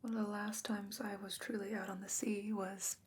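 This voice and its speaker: Woman acting as composed old sorceress, breathy near-whisper, gently chiding, deliberate phrasing, fantasy ASMR roleplay, audible background noise and clicks. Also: medium pitch, level tone, close to an everyday voice. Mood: patient, explaining.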